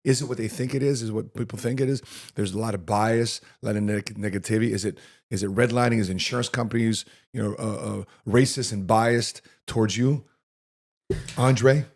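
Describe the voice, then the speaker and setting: Fast-talking podcast host, rambling. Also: male voice, on the low side, fairly even intonation, darkish tone. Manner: rambling, many fillers and restarts, upbeat. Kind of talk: casual podcast interview.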